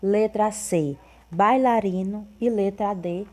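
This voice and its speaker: A woman's voice: mid-range voice, slow, warm tone. A woman teacher, going through workbook answers patiently and repeating each one. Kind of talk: correcting workbook exercises.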